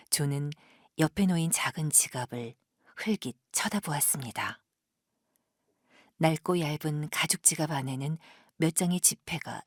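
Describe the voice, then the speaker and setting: A woman professional narrator reading a scripted audio drama in a measured, gentle storytelling manner. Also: low-pitched, slightly rough, dry recording, studio quality.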